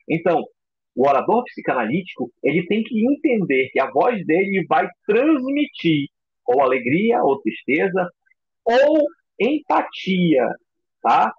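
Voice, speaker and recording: A man teaching a recorded psychoanalysis lecture in an expressive way, acting out example voices. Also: high-pitched, unhurried, husky, no room sound, muffled recording. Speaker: psychoanalysis instructor.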